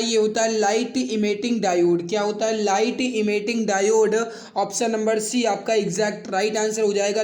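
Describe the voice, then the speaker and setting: A man speaking as an online exam-prep teacher, addressing students familiarly with emphatic repetition. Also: high-pitched. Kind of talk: quiz lesson for exam students with promotional pitch.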